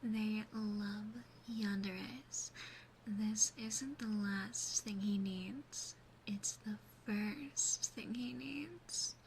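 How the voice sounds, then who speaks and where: A woman voicing a gentle, doting yandere demon sister in a soft, teasing, mostly whispered ASMR roleplay, close on a binaural microphone. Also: on the high side, a little hiss or hum, rough recording. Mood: reassuring, confiding.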